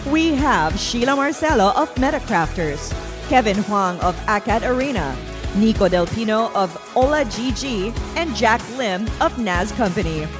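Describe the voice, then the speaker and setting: A woman reads a scripted event introduction as a voice-over. Her smooth, even delivery sits at a middle pitch. Clear music plays beneath her. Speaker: event announcer.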